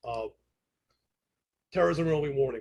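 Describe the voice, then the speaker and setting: The speaker talks at a fairly quick pace in a Brooklyn accent. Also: man. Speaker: retired police lieutenant and instructor. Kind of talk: presentation. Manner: louder after request. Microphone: too quiet for some listeners.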